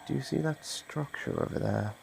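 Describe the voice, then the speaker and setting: A man playing an ancient, predatory monster in an ASMR roleplay, taunting and possessive in a gravelly, theatrical voice. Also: mid-range voice, normal speed, background noise. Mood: possessive, smug. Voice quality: gravelly, creaky. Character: ancient predatory male monster, menacing, gloating, possessive hunter. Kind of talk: ASMR roleplay, dramatic monologue.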